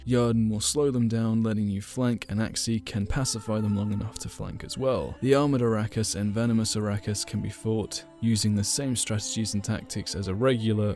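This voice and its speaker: A man's voice: on the low side, a little mellow. A man narrating a video game lore explainer in a casual way, adding dry joking asides. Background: faint game soundtrack music.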